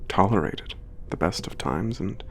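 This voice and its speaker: A man voicing a gentle, melancholy giant protector, soft-spoken and formal, who narrates in a reflective, often whispered voice. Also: deep voice, animated, normal speed, vocal fry, full character voice. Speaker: narrator of letters home. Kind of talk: ASMR audio drama narration.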